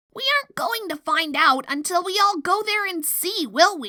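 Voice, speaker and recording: In a put-on character voice, a woman goes squeaky at an extremely high pitch with lively intonation. Her pace is moderate, and her loudness swings widely. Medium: audio drama. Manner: brash, sporty.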